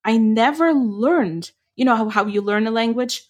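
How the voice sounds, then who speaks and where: A woman's voice: fairly high pitch, moderate pace. Middle-aged woman, thoughtful. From Ukraine. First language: Ukrainian. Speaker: podcast co-host. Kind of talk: casual chat.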